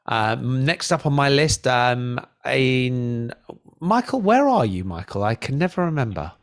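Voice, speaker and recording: A man with a medium-pitched voice hosts an online panel. He chats casually as he hands over from one person to the next. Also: very animated, unhurried. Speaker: host.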